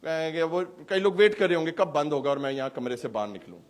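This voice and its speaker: A man preaching a sermon to a church hall congregation, animated and full of rhetorical questions. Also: fairly high pitch. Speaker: pastor.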